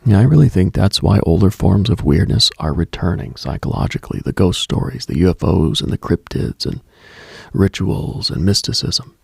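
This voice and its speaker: Close to the microphone, a deep-voiced radio host spins eerie, reflective tales late at night, his delivery hushed, halting, and musing yet lively in intonation. The voice is gravelly, husky, and breathy, recorded with no room sound.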